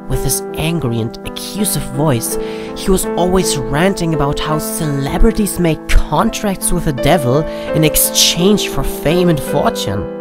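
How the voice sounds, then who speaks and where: A man narrating a scripted first-person horror story as if recalling memories. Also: mid-range voice. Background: prominent piano and keyboard music.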